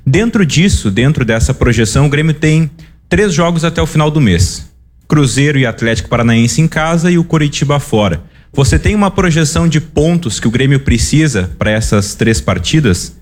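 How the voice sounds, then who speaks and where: Brazilian sports reporter asking questions. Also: male voice, fairly high pitch, lively intonation, normal speed. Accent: Brazilian Portuguese. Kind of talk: press conference question.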